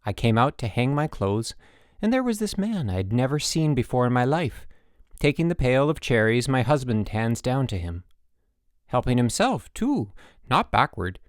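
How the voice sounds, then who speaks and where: A man's voice: mid-range voice, very animated, moderate pace, dry recording, studio quality, lightly acted. Man voicing a chatty, stubborn old country woman. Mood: chatty, reminiscing. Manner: folksy, rambling, emphatic storytelling. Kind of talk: audiobook character dialogue.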